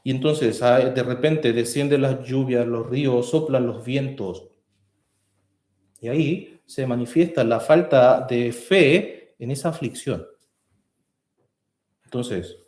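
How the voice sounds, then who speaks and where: Earnest pastor preaching in an echoey hall. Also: male voice, mid-range voice, darkish tone. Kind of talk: sermon. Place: church hall.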